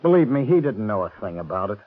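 A weary American ex-fugitive in a 1940s radio play, speaking earnestly. His voice is rough-edged and the recording is dull and narrow. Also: fairly low pitch, sing-song, fast talker. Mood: relieved, confessing. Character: weary, relieved male escaped convict, now reformed. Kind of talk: 1940s radio drama acting.

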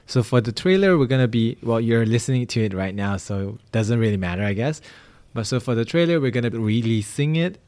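A man's voice: mid-range voice, animated, fairly quick, hardly any pauses, a little mellow, dry recording. A young man from Malaysia hosting a casual podcast, rambling with lots of fillers. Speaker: podcast host. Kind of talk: casual chat.

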